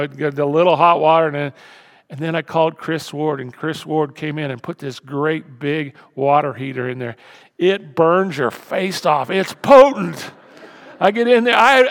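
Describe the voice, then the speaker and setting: Pastor de voz rouca em salão com eco. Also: male voice, a little high. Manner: animated, repetitive, swings from loud to hushed. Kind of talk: sermon. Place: church sanctuary. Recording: reverberant church hall.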